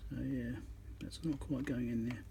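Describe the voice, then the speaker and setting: A man giving casual hands-on commentary as he works, halting and half talking to himself while he concentrates, recorded on a phone at an indoor workbench. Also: mid-range voice, flat delivery, vocal fry. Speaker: electronics repairer, channel host. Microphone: phone on a tripod above the work. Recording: noisy room recording on a phone.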